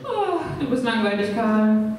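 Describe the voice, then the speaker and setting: Taunting little mouse played by a woman, insolent comedy role, soft-edged higher voice, echoey stage. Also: very animated, measured pace. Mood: mocking. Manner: teasing, insolent. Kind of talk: live comedy radio play. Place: theatre stage. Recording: echoey stage, distant mic, faint noise.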